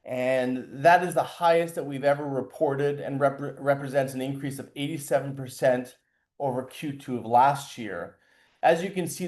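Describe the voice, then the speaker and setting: A man speaking as a chief executive, giving a formal, scripted financial results presentation in a measured way, occasionally stumbling over words. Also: medium pitch, darkish tone. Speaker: company chair and CEO presenting.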